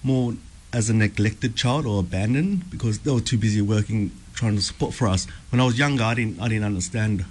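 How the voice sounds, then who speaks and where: A young Australian man telling his life story as a radio guest, halting, with many ums and repeated words. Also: on the low side, slightly rough. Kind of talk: personal testimony interview. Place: radio studio.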